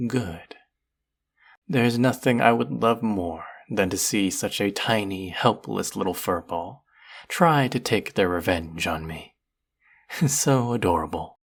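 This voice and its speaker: A performer acts out a sadistic fantasy sorcerer in a roleplay audio drama. The voice is low and husky, drawling slowly through teasing, mock-sweet baby talk. It gloats and coos as if over a helpless little pet. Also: exaggerated voice. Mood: taunting.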